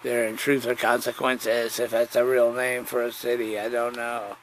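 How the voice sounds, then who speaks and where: A man's voice: medium pitch, level tone, moderate pace, a little hiss or hum. A man chatting casually on his own as a podcast host, folksy and digressive, often circling back to repeat his phrases. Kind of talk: rambling casual solo chat.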